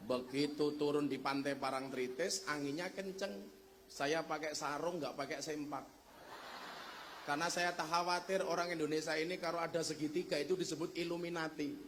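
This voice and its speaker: A man's voice: on the high side, steady tone, normal speed, a bit bright. A man delivers a sermon full of jokes and storytelling. He moves easily between the national language and phrases. A faint ambient hum sits behind him. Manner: joking storyteller who slips into Javanese phrases. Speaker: Islamic preacher. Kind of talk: humorous sermon. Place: religious gathering before a live audience.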